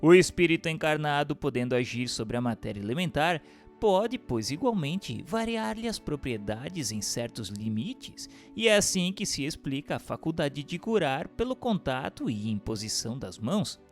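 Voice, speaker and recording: A Brazilian man delivers scripted narration in a formal, instructive manner. His middle-register voice moves through wide, lively intonation while instrumental music plays behind him. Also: medium pitch. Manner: formal, measured, didactic. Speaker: narrator reading a religious treatise. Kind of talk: scripted audiobook narration for radio.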